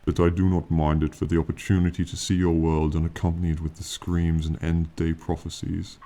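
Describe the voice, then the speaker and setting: A man plays an ancient, proud, aloof dragon companion in a fantasy ASMR roleplay, speaking slowly to a mortal in a very deep, dark, flat voice. His tone is lofty and calm, his speech solemn, archaic and condescending, with faint rainfall in the background.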